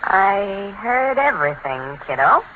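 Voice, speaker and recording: A brassy streetwise blackmailer. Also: female voice, medium pitch, very animated, takes it slowly. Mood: knowing. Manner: slangy, streetwise, calls him kid. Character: brassy scheming young woman, blackmailer. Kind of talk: 1940s radio acting. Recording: lo-fi 1940s radio broadcast, loud hiss.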